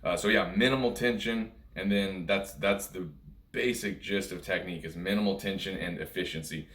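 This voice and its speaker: This man's voice is deep and a bit bright, moving at a moderate pace. He is a music teacher giving a casual, rambling lesson to camera, repeating himself often, and the room sounds echoey.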